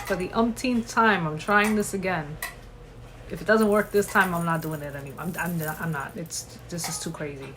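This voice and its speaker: A woman with a New York accent speaks at a moderate pace in a fairly low pitch, with ordinary pitch variation and noticeable background noise. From US East Coast, New York. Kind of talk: casual talk to camera.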